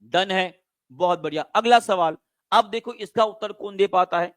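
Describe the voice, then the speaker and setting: A man teaching a live online exam-prep class, drilling students repeated questions and quick checks. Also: sits high, fairly bright tone, no room sound, studio quality.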